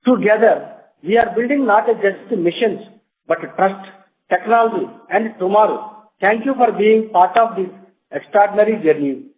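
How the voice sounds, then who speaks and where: Male executive, Indian accent, high register, formal scripted delivery, thin phone-call sound. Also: normal speed. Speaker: company executive. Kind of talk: scripted corporate address. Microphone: telephone conference line. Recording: tinny narrowband phone line.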